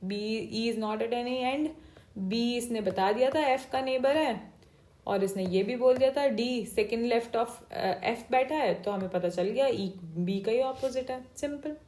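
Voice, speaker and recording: A woman's voice: a little high, slow pace, a little mellow. A woman teaching an exam-prep reasoning class, explaining each step and mixing Hindi and English. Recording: echoey room.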